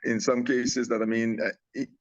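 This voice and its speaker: A man's voice: medium pitch, flat delivery, normal speed. Man from Guyana on a dull remote call. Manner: rambling, with many restarts and fillers. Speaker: guest, tea company owner. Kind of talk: casual interview talk.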